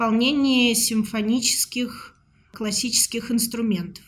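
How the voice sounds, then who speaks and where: Speaking at a fairly high pitch, a woman keeps her intonation fairly even. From Moscow, Russia. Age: 30s. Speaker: poetry collective organizer and marketing director. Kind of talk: casual chat.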